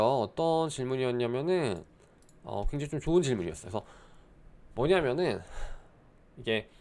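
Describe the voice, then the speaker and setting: A young man giving casual crypto market commentary, explaining at length with many hesitant fillers. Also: medium pitch. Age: young adult.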